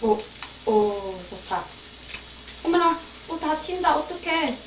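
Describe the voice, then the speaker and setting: A woman's voice: high-pitched, expressive, takes it slowly, echoey room, recorded from a distance, a little hiss or hum, low-quality recording. A woman vlogger talking playfully to her viewers while she cooks, chatting to herself as she goes. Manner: playful, talks to herself while cooking, giggly. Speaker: cooking vlogger. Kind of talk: chatty cooking demonstration. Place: kitchen. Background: frying and sizzling food.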